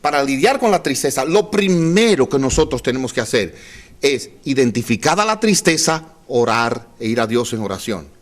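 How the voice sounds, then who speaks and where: A male pastor preaching a sermon to his congregation, calling them brothers and having them repeat phrases, with sudden drops to quiet, low emphasis. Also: big pitch swings, normal speed. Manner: dynamic delivery, drops to soft low tones for emphasis. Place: church.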